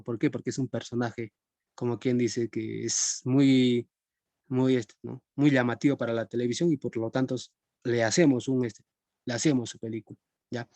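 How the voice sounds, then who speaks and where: A man's voice: mid-range voice, warm tone, dry recording. A young man teaching a live-streamed philosophy class in a conversational way, often checking in with his students. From Peru.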